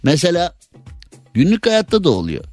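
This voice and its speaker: A man's voice: sits high, wildly swooping pitch, normal speed, darkish tone, no echo, soft background music. A male radio host in casual studio talk, chatty and opinionated, full of rhetorical questions.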